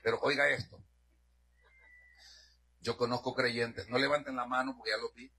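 A middle-aged man from Honduras preaching a sermon in a church. He is fervent, shouts at his peaks and drops to hushed asides. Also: medium pitch, fairly even intonation, moderate pace, breathy edge. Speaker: pastor.

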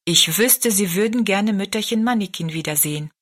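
A woman's voice: medium pitch, moderate pace, fairly bright tone, close to an everyday voice. A woman voicing a helpful, deferential lad in a storybook, plain and earnest in manner. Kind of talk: storybook narration.

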